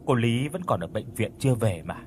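A man's voice: mid-range voice, lively intonation, brisk, darkish tone, a little hiss or hum, close to an everyday voice. A man voicing a grieving young woman who pleads tearfully and turns defiant, in a spoken ghost story. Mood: pleading, upset.

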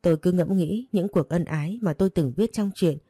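A woman narrates a dramatic first-person story at an unhurried, steady pace. Her voice sits a little low and sounds dark and mellow. The recording is dry and close, with no room sound. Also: slightly rough, dry recording.

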